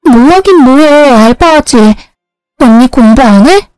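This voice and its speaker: A woman voicing a young college-age sister who talks in a high, eager, slightly whiny way. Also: very animated, normal speed, a little mellow, faint music behind, rough recording. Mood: pleading.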